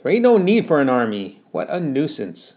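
A man's voice: a little high, huge pitch swings, moderate pace. A man voicing a blunt, scolding older country mother who talks in rustic dialect. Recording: tinny phone-like sound.

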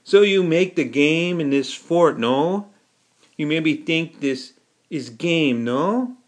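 A man's voice: fairly high pitch, lively intonation, slow pace, voice pushed up. A man acts out a haughty officer of a lunar army in an audiobook. He speaks broken, foreign-sounding English with odd consonants. His voice is raised and imperious. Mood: accusing.

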